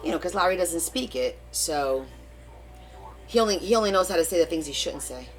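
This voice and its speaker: A woman's voice: lowish voice, expressive, fairly quick, low-quality recording. A middle-aged woman whose first language is Portuguese, chatting casually and rambling as she hosts a live crafting stream and answers viewer comments. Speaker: crafting livestream host.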